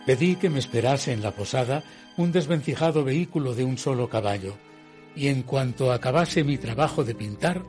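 An actor playing a reflective gentleman who narrates his own eerie tale in a radio drama, in a measured, literary manner. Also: medium pitch, animated, faint music behind, close to an everyday voice. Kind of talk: scripted first-person radio drama narration.

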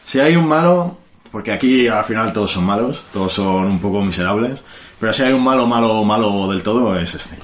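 A man co-hosting a casual film podcast, easygoing and quick to laugh. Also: fairly low pitch, expressive, echoey room. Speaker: podcast co-host.

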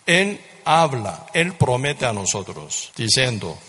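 A man's voice: mid-range voice, sing-song, slow, sharp tone, slightly rough. A man preaching a sermon with fervent repetition, often tossing rhetorical questions at his listeners. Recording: reverberant hall.

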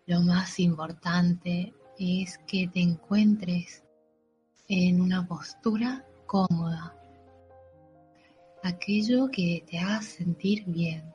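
A woman narrating a guided meditation in a soothing, unhurried way, with gentle pauses. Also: on the low side, fairly even intonation, slightly rough. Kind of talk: slow guided meditation with affirmations. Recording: dull lo-fi audio with soft music. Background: soft background music.

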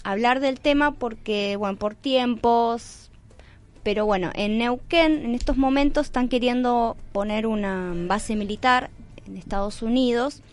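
A woman's voice: fairly high pitch, a little slow. A woman hosting a radio show in a casual, chatty style. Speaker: radio host.

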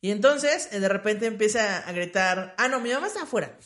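A Mexican woman co-hosts a relaxed conversation, laughing easily along the way. She tells family stories in a loose, easygoing way, with her voice at a middle pitch. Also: a little fast. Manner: laughs often, relaxed storyteller. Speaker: podcast co-host. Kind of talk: casual chat.

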